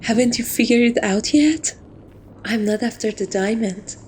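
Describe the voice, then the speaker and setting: A woman's voice: fairly high pitch, normal speed, a little mellow, a little hiss or hum, close to an everyday voice. A woman voicing a playful, seductive, possessive catgirl jewel thief in a romantic ASMR roleplay, coy and theatrical in her affection. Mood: soothing, possessive.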